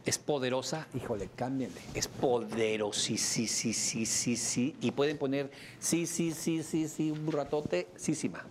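A middle-aged man with a Mexican Spanish accent, lecturing a class in a joking, animated way with sudden high exclamations. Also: measured pace, hardly any pauses, a little hiss or hum. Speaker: instructor.

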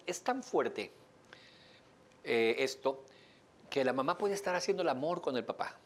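A man with a Mexican accent giving a lively lecture to a live audience, joking and asking them questions. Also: fairly high pitch, a little hiss or hum. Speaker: speaker teaching an audience.

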